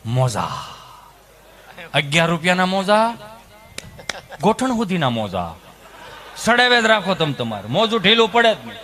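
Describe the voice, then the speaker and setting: A man's voice: a little high, pushed and bright. A male comedian with a Kathiyawadi accent, telling rambling, anecdotal stories in a live folk stand-up show. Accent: Kathiyawadi Gujarati.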